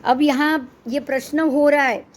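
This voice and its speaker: Middle-aged woman, high pitch, scripture teacher who quizzes her class, faint background hiss. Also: steady tone. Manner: explains slowly, keeps quizzing listeners. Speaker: religious teacher. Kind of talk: scripture lesson.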